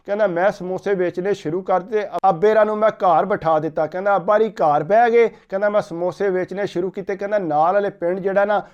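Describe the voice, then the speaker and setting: A man telling a folk story in a steady retelling manner, opening each line with "he said". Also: high voice, quick pace, few pauses, clear, resonant tone, muffled recording.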